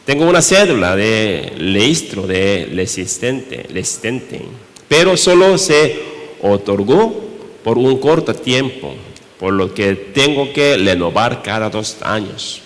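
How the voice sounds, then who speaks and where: Korean-accented male pastor, measured unhurried sermon, lowish voice, echo of a church hall. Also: big pitch swings, a bit bright. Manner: slow, halting delivery with rhetorical questions.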